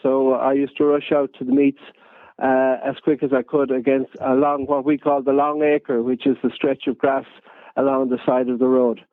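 A man with a west of Ireland accent, telling anecdotes as a radio interview guest in an unhurried storytelling way. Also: medium pitch, little pitch movement, no room sound, narrow, tinny audio. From County Galway, west of Ireland. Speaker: interview guest, photojournalist and fox hunter.

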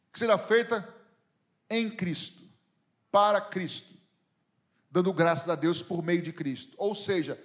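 A man preaching a sermon as a pastor in a church, emphatic and questioning the congregation. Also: high-pitched. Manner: emphatic, asks the congregation questions and acts out prayers.

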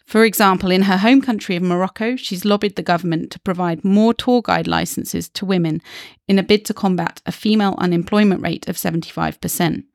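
A woman's voice: on the low side, brisk, a little mellow. Woman host reading a podcast script. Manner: smooth, read from script. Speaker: podcast host, travel journalist. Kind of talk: scripted podcast intro and ad read.

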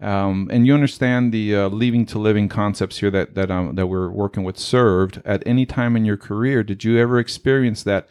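Male podcast host in his forties, native Spanish speaker, lower voice, hesitant and repetitive questioner. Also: fairly even intonation, a little mellow, smooth, no room sound. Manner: halting, repetitive questions full of fillers. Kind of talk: casual podcast interview.

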